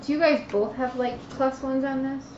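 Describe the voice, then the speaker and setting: A woman's voice: high voice, steady tone, normal speed, darkish tone. A woman talking bluntly and casually as a player at a game table, often questioning things. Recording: dull, echoey room recording with clear noise.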